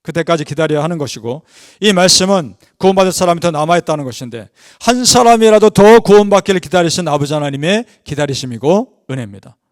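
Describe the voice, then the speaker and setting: A man's voice: expressive, fast, dry recording, clean studio sound. A man preaching an early-morning sermon as pastor, earnest and emphatic, leading the congregation through scripture. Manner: earnest preaching, rising with emphasis then dropping low; leads congregation in scripture reading.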